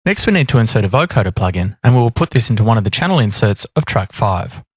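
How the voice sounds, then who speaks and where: A man reading scripted instructional narration in a measured, explanatory manner. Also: on the low side, big pitch swings, husky, no echo. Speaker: tutorial narrator.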